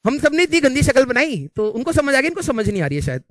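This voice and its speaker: A man's voice: very high-pitched, very animated, fast talker, a bit bright, no echo, clean studio sound. A teacher telling a comic story to his class, chatty and laughing often, calling his listeners brother. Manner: chatty, laughs often, keeps adding "ठीक है"; calls listeners "भाई" while telling.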